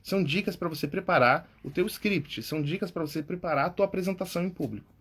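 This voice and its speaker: He's a Brazilian public speaking coach and podcast host, giving casual, informal tips and often asking "tá?" or saying "cara." His voice is high, fast, a bit bright and husky, with a Brazilian Portuguese accent.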